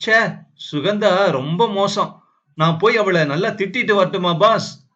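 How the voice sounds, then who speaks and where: A man voicing an affectionate, childlike young woman who pleads tenderly in a slow storybook reading. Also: high voice, fairly bright tone, dull audio, pitched above the performer's own voice. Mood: tender, pleading. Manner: pleading, tender, calls him "boss".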